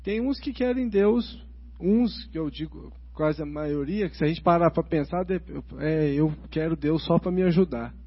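A man chatting casually about faith, telling stories with quick asides and restarts. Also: on the high side, breathy edge. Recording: dull lo-fi recording.

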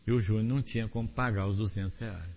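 A man preaching a sermon, animated, asking the congregation rhetorical questions. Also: lowish voice, fast, big-room sound, dull audio.

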